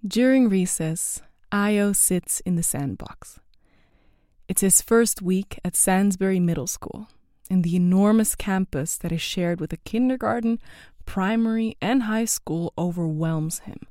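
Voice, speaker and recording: Woman storyteller from the netherlands, slow, measured, dry close voice. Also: mid-range voice, mellow, dry recording. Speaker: audio storyteller. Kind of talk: scripted narration.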